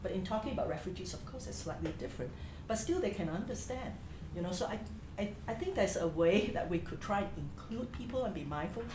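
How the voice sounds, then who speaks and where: A woman's voice: medium pitch, animated, fast talker. A woman from Singapore making a comment in a workshop discussion, earnest and hesitant, with many fillers. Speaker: workshop participant. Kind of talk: roundtable discussion. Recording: echoey room with background noise.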